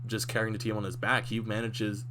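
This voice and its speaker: A young man with a lowish voice rushes through a fan's recap of a football game, getting animated and restarting his sentences as he goes. His voice sounds a little worn, as if it is starting to go. A steady hum runs behind him through the whole recording. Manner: excited, animated fan recap with frequent restarts. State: slightly losing his voice. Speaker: sports fan commentator.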